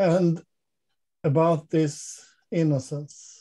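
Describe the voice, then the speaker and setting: A man speaks in a dark, mellow, somewhat breathy voice. His intonation stays fairly even. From Sweden. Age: 60s. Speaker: webinar participant. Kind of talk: personal sharing in Q&A.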